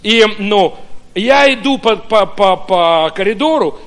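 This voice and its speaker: A pastor from Ukraine preaching a sermon, telling his own story in an animated way with many hesitant fillers. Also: high voice, takes it slowly. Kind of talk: sermon with personal testimony.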